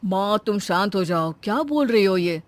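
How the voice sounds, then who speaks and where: A woman's voice: medium pitch, expressive, normal speed, no room sound, voice pushed down, lightly acted. A woman voicing a young wife caught between her husband and her mother in a cartoon story, earnest and pleading.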